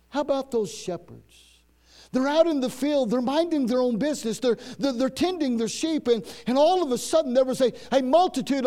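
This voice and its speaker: An older man preaching a sermon. His voice sits unusually high for a man, and he drives his points home with emphatic, repeated phrases, stumbling and restarting as he builds. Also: a little mellow. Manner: preaching with rising, emphatic repetition. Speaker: pastor. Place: church.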